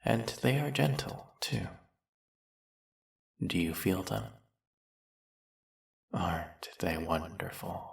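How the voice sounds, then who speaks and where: A man voicing a smooth-talking, snake-headed male villain who hypnotizes his captive in an audio roleplay, speaking in a silky, coaxing way. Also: low-pitched, expressive, slow pace, long pauses, heavily acted. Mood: hypnotic. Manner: silky, coaxing, soft-spoken and purring.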